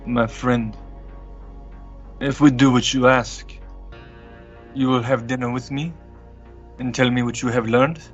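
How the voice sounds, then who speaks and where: A man voicing a solemn, polite and mysterious supernatural being in a tabletop game, in measured, formal speech. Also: medium pitch, little pitch movement, muffled recording, soft background music, lightly acted. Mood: probing, bargaining. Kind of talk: in-character tabletop roleplay.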